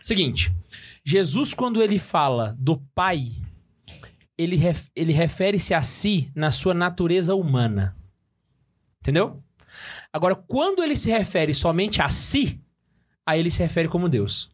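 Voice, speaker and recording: A man's voice: on the high side, very animated, unhurried, pauses often. A man co-hosting a podcast, explaining religious points in a casual, teaching way. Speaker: podcast co-host.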